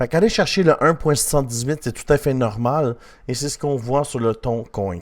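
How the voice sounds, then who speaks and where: A man's medium-pitched voice with a Quebec accent and ordinary pitch variation, in a very clean recording over a silent background. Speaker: crypto trading YouTuber. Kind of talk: chart analysis tutorial. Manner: fast.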